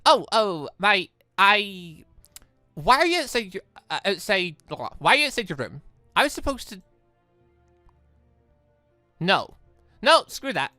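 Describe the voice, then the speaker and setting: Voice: mid-range voice, big pitch swings, measured pace, long pauses, pushed and bright, no echo, soft background music. A gaming host voicing a flustered, haughty, short-tempered teenage heiress in an anime game, stammering and scolding.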